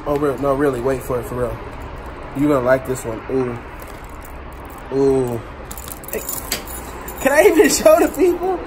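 A man's voice: medium pitch, moderate pace, pauses often. A man in his thirties joking and narrating playfully as he digs through a storage locker outdoors. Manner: playful, excitable, teasing. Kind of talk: casual commentary while sorting. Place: outdoors at an open storage unit. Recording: noisy outdoor camera audio.

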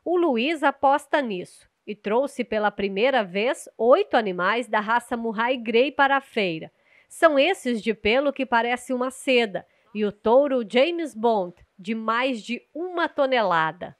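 A young adult woman reporting the news from outdoors at an agricultural fair, speaking into a handheld mic in a measured, scripted way. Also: on the high side, lively intonation, no room sound, studio quality. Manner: measured, clear reporting delivery.

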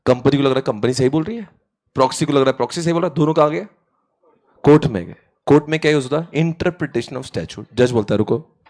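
A man's voice: mid-range voice, fast talker, darkish tone. A young man teaching law in a classroom lecture, playful and acting out quoted exchanges, mixing into his Hindi.

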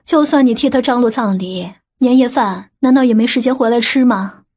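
A woman plays a fretful older mother in an audiobook drama. Her voice is fairly high and husky, with a nagging, questioning delivery. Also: normal speed, a little mellow. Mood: displeased.

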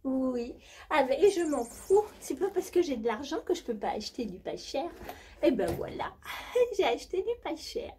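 A woman voicing a posh, rich female jet-setter who talks in a high, breathless, gushing way. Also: sing-song, normal speed, darkish tone, slight background noise.

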